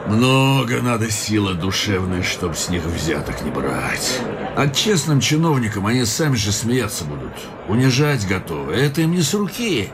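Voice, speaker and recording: A boozy cynical scribbler. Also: male voice, on the low side, big pitch swings, normal speed, background noise. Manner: boisterous, mocking, keeps urging drinks. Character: cynical hard-drinking male petition-writer. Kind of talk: radio play acting. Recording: music playing behind the voice.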